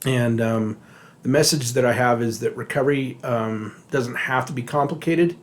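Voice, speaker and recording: A middle-aged man from Texas speaks in a relaxed podcast conversation. He pauses often on fillers and restarts his phrases as he works out what to say, at an ordinary pitch for a man. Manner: halting, many fillers and restarts. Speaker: podcast co-host, addiction therapist. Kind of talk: casual podcast talk.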